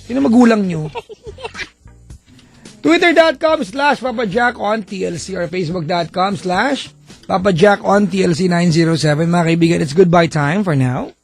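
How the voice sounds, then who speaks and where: High-voiced teasing male radio host. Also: moderate pace, soft background music. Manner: playful, teasing, animated. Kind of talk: late-night radio talk.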